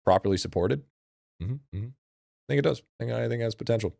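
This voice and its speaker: A man's voice: medium pitch, fast talker, vocal fry, warm tone, no echo, studio quality. A man livestreaming in casual chat with a slangy, profane frat bro manner. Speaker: live streamer.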